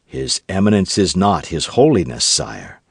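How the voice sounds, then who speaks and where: A man voicing a calm, shrewd captain of musketeers who speaks quietly and with measured composure in an audiobook. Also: low-pitched, creaky, breathy edge, dry recording, clean studio sound, exaggerated voice. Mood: composed.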